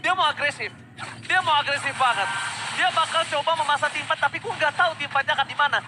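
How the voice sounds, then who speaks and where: A man with an Indonesian accent commentating live esports play-by-play like a hyped fighting game announcer, with dramatic drawn-out calls. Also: extremely high pitch, a crowd in the background, noisy background. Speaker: esports shoutcaster.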